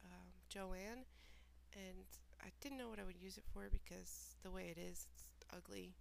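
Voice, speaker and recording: A woman with a stuffy, nasal cold, calmly talking through the steps of a craft tutorial in a voiceover. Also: on the low side, moderate pace, creaky, slight background noise. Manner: relaxed, plain step-by-step explaining with small asides. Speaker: mixed media artist. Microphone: home voiceover recording.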